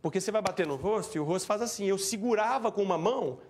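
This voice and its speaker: A man recounting a tense event in an interview, animated and acting out what people said. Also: high voice, quick pace, slight background noise. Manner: animated, acts out shouting and quoted speech. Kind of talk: emotional first-person account.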